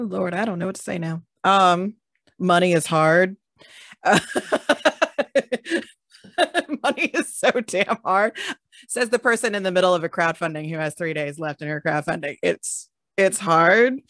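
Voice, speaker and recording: A woman's voice: mid-range voice, fairly bright tone, no echo, clean studio sound. A woman who creates audio dramas, talking frankly in a casual panel, laughing often and swearing now and then.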